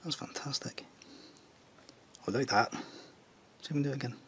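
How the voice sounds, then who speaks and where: A Northern English man with a husky, strained voice, recovering from tonsillitis, chatting casually as he paints a scale model. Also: medium pitch, normal speed, fairly bright tone, a little hiss or hum. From Northern England. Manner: chatty, jokey asides while working.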